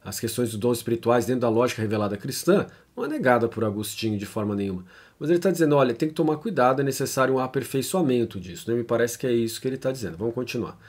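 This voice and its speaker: Man, Brazilian Portuguese accent, informal lecture, reading and commenting, chatty tag questions, medium pitch. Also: animated, rapid-fire, husky. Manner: conversational, frequent tag questions and fillers. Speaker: lecturer on theology.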